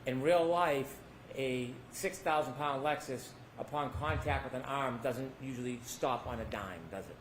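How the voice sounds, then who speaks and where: A man's voice: medium pitch, moderate pace, slight background noise. Male trial lawyer, pointed cross-examiner, mid-range voice, courtroom recording. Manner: pointed leading questions with tag endings. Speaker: defense attorney.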